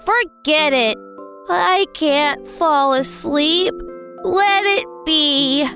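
An actor voicing a sleepless, fretful little boy prince in a bedtime storybook, with slow singsong counting and plaintive sighs. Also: very high voice, sing-song, sharp tone, faint music behind, heavily acted. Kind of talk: storybook character voice.

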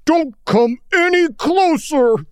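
A woman's voice: high-pitched, expressive, takes it slowly, darkish tone, no room sound, clean studio sound. A woman voicing a cowardly, whiny giant demon king in a storybook, stammering as he talks. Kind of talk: storybook character voice.

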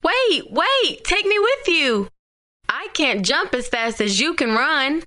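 A woman's voice: high-pitched, very animated, takes it slowly, pushed and bright, pitched above the performer's own voice, heavily acted. A woman doing a coaxing little frog. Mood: pleading. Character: pleading small male frog, persistent.

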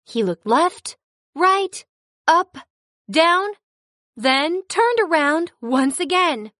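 A woman narrating a children's story in an expressive storytelling manner. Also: very high-pitched, very slow, dry recording, clean studio sound.

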